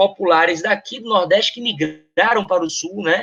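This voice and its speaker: This man talks at a moderate pace in a bright, sharp tone. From Bahia, Brazil (Salvador). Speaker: cordel poet and workshop teacher. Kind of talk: online workshop talk. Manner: halting, many fillers.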